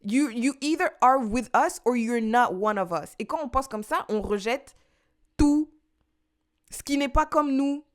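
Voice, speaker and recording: A woman from France with a slightly high voice chats as a podcast co-host. She talks in fast animated rushes and uses loose colloquial slang. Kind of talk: casual chat.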